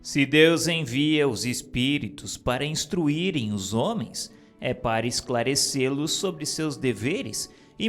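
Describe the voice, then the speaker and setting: A man giving a measured, solemn reading of a spiritist book. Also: mid-range voice. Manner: measured, solemn, deliberate phrasing.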